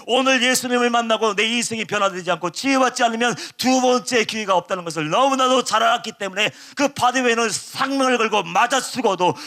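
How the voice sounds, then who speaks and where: A man preaching a sermon as pastor, impassioned and dramatic, acting out shouted pleas. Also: extremely high pitch.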